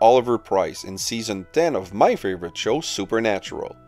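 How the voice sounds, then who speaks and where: Over background music, a man speaks at a fairly quick pace with a fairly low pitch and lively intonation. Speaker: YouTube reviewer, host. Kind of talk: documentary-style narration.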